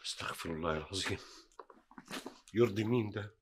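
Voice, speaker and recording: An actor with an Egyptian accent playing a troubled older husband, indignant and sighing pious exclamations. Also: male voice, fairly low pitch, a little fast, slight background noise, close to an everyday voice. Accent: Egyptian Arabic. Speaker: husband, a hajj. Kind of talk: Egyptian TV drama acting.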